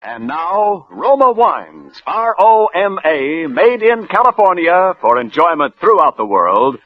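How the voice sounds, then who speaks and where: A man giving slow, formal sponsor announcements on a 1940s radio broadcast. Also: high-pitched, big pitch swings, no echo, lo-fi sound.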